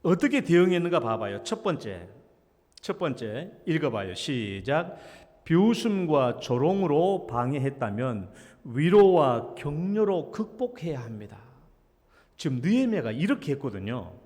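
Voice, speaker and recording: A middle-aged man preaching a sermon as senior pastor, swinging between loud exhortation and quiet storytelling. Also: a little high, big pitch swings, unhurried. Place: church sanctuary. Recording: long hall reverb.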